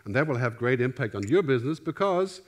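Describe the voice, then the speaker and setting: A man's voice: mid-range voice, expressive, fast. A middle-aged man with a German accent speaks from a big theater stage through a headset mic. His keynote is loose and conversational, and he keeps checking in with the audience by asking "right?". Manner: conversational, gestures widely, asks "right?" often. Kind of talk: conference keynote talk.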